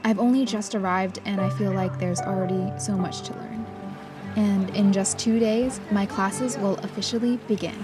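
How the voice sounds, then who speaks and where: A woman calmly narrating a travel vlog about her days as a pottery student in a reflective voice-over. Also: mid-range voice, moderate pace. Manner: calm, reflective storytelling. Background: background music.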